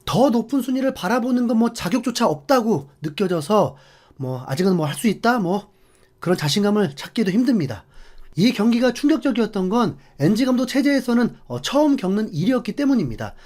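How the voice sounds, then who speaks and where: Animated male football commentary narrator. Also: high-pitched, a little fast. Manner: animated, filler-heavy explanatory talk. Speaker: sports channel host.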